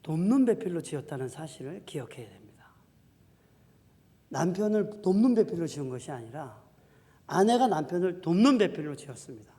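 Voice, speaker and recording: A male pastor preaching a sermon, swinging between loud declarations and soft asides. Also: a little high, very animated, brisk. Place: church sanctuary. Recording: long hall reverb.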